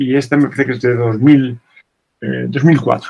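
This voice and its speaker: The man's intonation stays monotone and flat. His delivery is fairly slow. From Spanish Morocco (Tangier, Ifni). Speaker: literary translator. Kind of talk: interview. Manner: halting, many repetitions and fillers.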